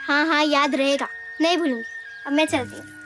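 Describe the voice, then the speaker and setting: A woman's voice: high-pitched, steady tone, music in the background, natural voice. A woman voicing a chatty flower girl. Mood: teasing. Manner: chatty, teasing, brisk. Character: cheerful little girl who gathers flowers.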